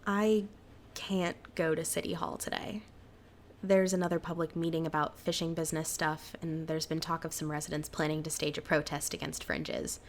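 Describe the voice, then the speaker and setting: A woman's voice: deep voice, little pitch movement, normal speed, a little hiss or hum. A woman playing a cautious, resigned cryptid with a hesitant, downbeat way of talking in a naturalistic audio drama. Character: Sybil, cautious, resigned female cryptid in a small town.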